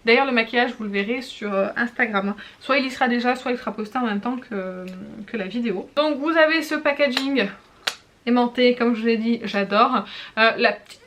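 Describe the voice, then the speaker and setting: A woman beauty vlogger casually reviewing makeup products to camera, chatty and full of hesitations, pausing to demonstrate as she talks. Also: a little high, a bit bright, slight background noise. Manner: chatty, frequent hesitations and self-corrections; demonstrates products while talking.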